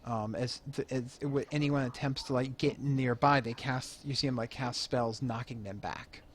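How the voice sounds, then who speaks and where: A man's voice: medium pitch, fairly even intonation, normal speed, a little hiss or hum. A man narrating a tabletop game as game master, rambling with lots of "um" and "like". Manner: rambling, full of "um" and "like".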